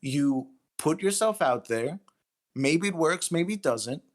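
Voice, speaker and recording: A man's voice: on the high side, lively intonation, takes it slowly. A man speaking as an interviewed writer in a casual, earnest, plain-spoken and matter-of-fact way.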